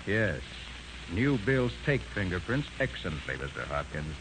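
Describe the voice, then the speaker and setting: An actor playing a shrewd, confident male private detective with an American accent in a 1940s radio crime drama, explaining things in an assertive, deliberate way. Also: deep voice, big pitch swings. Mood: confident, accusing. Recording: noisy 1940s radio recording.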